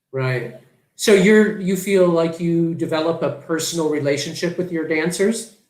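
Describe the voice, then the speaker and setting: Audible room echo around medium-tempo speech with normal pitch movement. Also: man, high pitch for a man. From US Midwest, Detroit area. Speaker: interviewer. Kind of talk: interview. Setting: video call.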